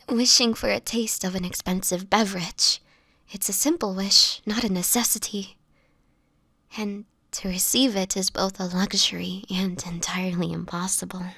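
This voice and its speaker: A woman playing a sickly, gentle homeless woman turning vampire in an intimate audio roleplay, with a whispery, hesitant delivery. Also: mid-range voice, no echo, exaggerated voice. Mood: ashamed. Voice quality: breathy, whispery. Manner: halting, hesitant, fragile delivery.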